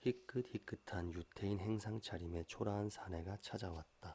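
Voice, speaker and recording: The voice is dark and mellow, calm and soothing, and somewhat breathy. It moves at a fairly slow pace with fairly even intonation. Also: man. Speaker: actor. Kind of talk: sleep story. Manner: calm, soothing.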